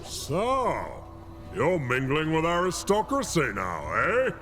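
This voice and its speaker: A man's voice: a little high, huge pitch swings, slow, pushed and bright, full character voice. A man playing a boisterous, boastful veteran warrior in a video game, talking with hearty, mocking swagger. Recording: music behind the voice.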